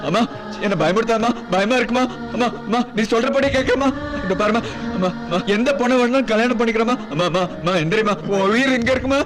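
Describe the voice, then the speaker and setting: A man's voice: extremely high pitch, quick pace. An actor playing a grown son who sobs and pleads over his dying mother in a film drama. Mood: wailing grief. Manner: sobbing, pleading, repeating cries. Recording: loud film score under voice.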